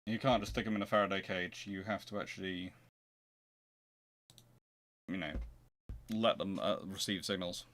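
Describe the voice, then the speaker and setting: A man's voice: low-pitched, fairly even intonation, moderate pace, long pauses, a bit bright. A man hosting an informal expert question-and-answer talk, discursive and often breaking off to rephrase his sentences as he thinks aloud. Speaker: host answering viewers' history questions.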